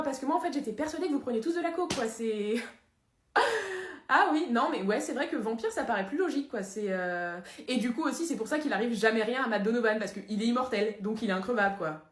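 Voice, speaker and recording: A young woman performing a comic sketch in an animated, incredulous way. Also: on the high side. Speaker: sketch comedian. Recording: roomy echo.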